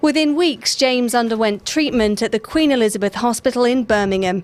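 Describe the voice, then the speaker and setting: A normal speaking voice with ordinary pitch variation, in a very clean recording with a silent background. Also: woman. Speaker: TV news reporter. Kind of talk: TV news report.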